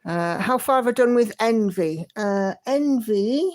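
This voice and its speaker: A woman's voice: fairly high pitch, expressive, measured pace, darkish tone. A woman hosting a livestream, chatty and encouraging as she reads out viewer comments and hums to herself. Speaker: livestream host. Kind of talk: casual chat reading viewer comments.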